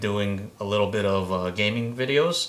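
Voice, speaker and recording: Against noticeable background noise and audible room echo, a man speaks at a moderate pace with ordinary pitch variation. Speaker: YouTuber. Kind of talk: casual chat.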